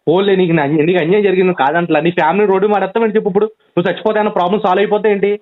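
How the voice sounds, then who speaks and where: A man's voice: sits high, fairly even intonation, rapid-fire. A man on a phone call, urgently pleading and reasoning with a friend, with many restarts. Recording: tinny phone line recording.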